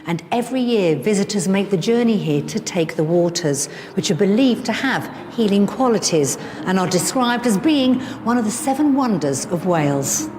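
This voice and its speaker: A woman presenter giving measured, informative scripted voice-over for a television property programme. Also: medium pitch, animated, darkish tone, slight background noise. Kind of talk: scripted TV narration. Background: background music.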